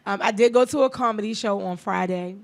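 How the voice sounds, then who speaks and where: A woman in her thirties hosts a talk radio show with a gravelly, fry-edged voice. She talks in a blunt, chatty way and laughs often. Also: medium pitch, fairly quick. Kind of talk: casual chat.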